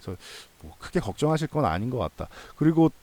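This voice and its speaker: A man runs a stock analysis channel, giving his viewers relaxed, conversational, reassuring explanations and repeating points to stress them. He talks fast at a medium pitch with big swings in his intonation. A crowd can be heard in the background.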